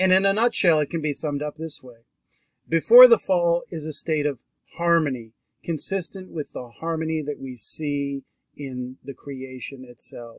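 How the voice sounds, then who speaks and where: A man with lively intonation at a moderate pace, in a dry sound with no echo over a quiet background. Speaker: bible teacher. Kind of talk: lecture. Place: home room. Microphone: webcam.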